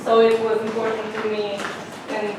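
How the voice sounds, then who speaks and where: A woman's voice: mid-range voice, completely flat delivery. Young woman answering from far back in an echoey room. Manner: thoughtful, candid, halting with fillers. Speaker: seminar participant. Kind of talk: personal answer in class discussion. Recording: very echoey room, far from mic, loud noise.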